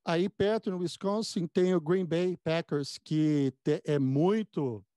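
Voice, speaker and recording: Mellow-voiced man interviewing, close and dry. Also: a little high, dry recording. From born in the United States. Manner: halting, repeats words as he goes. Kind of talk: casual conversational interview.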